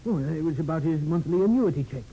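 A man's voice: fairly high pitch, lively intonation, fast, vocal fry, mellow, slightly rough, heavily acted, low-quality recording. An actor playing a fussy, polite businessman, hesitant and precise, in a 1940s radio crime drama. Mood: explanatory, uneasy. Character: fussy, polite male business associate of a recluse. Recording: hissy old 1940s radio recording.

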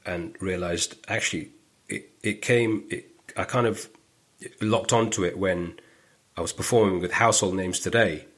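A middle-aged man with a London accent and a low, husky voice. He talks casually as a guest on a podcast, telling stories with animation and sometimes acting out other people's lines. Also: normal speed. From northwest London. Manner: animated storytelling, acts out quoted voices. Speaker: stand-up comedian guest.

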